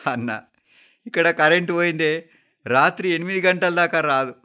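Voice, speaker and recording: A man voicing a grieving younger brother with a Telangana accent, hoarse from crying and pleading urgently. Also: fairly high pitch, steady tone, brisk, sharp tone, voice pushed up.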